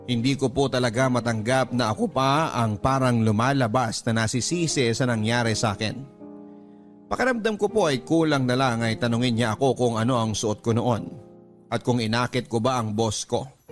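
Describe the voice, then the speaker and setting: A man narrating a scripted, dramatic first-person story as a radio letter reader. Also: mid-range voice. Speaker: narrator reading a listener's letter.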